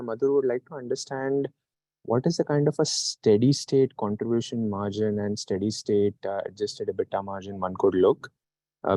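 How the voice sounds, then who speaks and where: A man's voice: fairly low pitch, dark tone, no room sound, rough recording. A man calling in as a financial analyst, putting questions on an earnings call.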